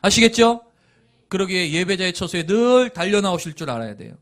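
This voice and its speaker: A man's voice: sits high, sing-song, fast talker. A man preaching a sermon as a pastor, telling a story in a chatty way with asides and chuckles, and now and then rousing the congregation.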